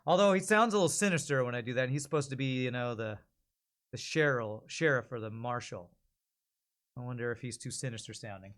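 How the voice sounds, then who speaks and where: A man's voice: medium pitch, brisk, fairly bright tone. A man in casual livestream chat, thinking aloud and critiquing his own work as an amateur voice actor.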